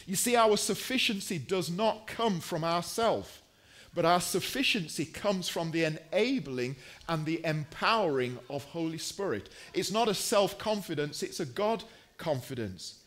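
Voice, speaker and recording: Male preacher, high-pitched voice, very unhurried sermon delivery, deliberate emphasis with pauses. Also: animated, fairly bright tone.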